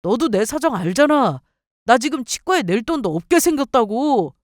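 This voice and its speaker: A woman's voice: a little high, sing-song, normal speed, no echo, studio quality. A woman voicing a petty, defensive young husband who talks in a sneering, dismissive way. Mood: pleading.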